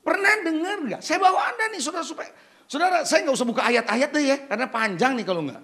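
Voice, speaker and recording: A man's voice: very high voice, animated, fast talker, fairly bright tone. A male pastor preaching an emphatic sermon, firing rhetorical questions at the congregation and slipping English phrases into his talk.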